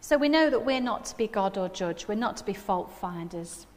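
A woman's voice: mid-range voice, lively intonation, normal speed. A middle-aged woman with a Nottingham accent gives an informal sermon in a chatty, self-deprecating manner. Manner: chatty, self-deprecating, with frequent tag questions. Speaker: preacher. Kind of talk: informal sermon with personal anecdotes. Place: church hall stage at a lectern. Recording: echoey hall with long reverb.

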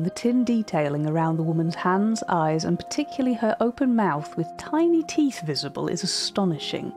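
A woman narrates a fiction podcast as a cultured, earnest art curator, speaking formally, precisely, and in a measured way. Her voice is medium-pitched and her acting is light.

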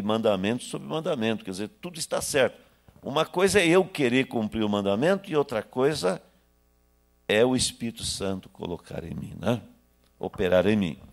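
An older Brazilian pastor preaches with a gravelly edge and a lively, rising and falling pitch. He swings from loud bursts to near-whispered asides, speaking into a handheld microphone in a small church hall. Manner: preaching with sharp swings between loud and hushed. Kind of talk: sermon.

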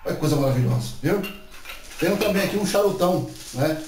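A man's voice: on the high side, fast, a little hiss or hum. A man, chatting to camera in a casual vlog and tagging his sentences with little checks like "right?". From Brazil. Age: 40s. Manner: chatty, animated gestures, many filler tags like "né" and "tá certo". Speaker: YouTube channel host. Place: indoor room before a painted wall. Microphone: camera mic from a few meters away. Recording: echoey room, far from the mic.

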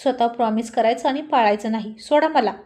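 A woman's voice: on the high side, fairly quick, dark tone, close to an everyday voice. A woman voicing a touchy, sulky young pregnant wife in a storybook reading, with a pouting, plaintive way of talking.

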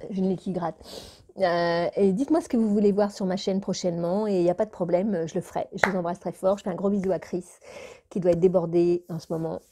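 A woman vlogger with a lowish, mellow voice chats casually to camera. She rambles to her viewers and now and then talks to her cat.

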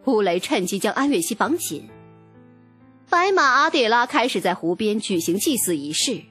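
A woman giving an expressive, dramatic first-person audiobook narration. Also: mid-range voice, moderate pace, breathy edge, faint music behind.

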